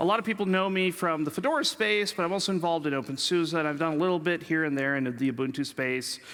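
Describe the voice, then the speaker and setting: A man with a high pitch rushes along very fast, with hardly any pauses and very even loudness. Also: ordinary pitch variation. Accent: American. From United States. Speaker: open source consultant; conference speaker. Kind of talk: conference talk. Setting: stage with audience. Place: stage.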